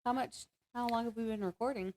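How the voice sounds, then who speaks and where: A woman's voice: on the high side, fairly even intonation, fast, a little mellow. Woman co-hosting a casual podcast. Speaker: co-host of a book podcast. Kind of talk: casual, unscripted chat.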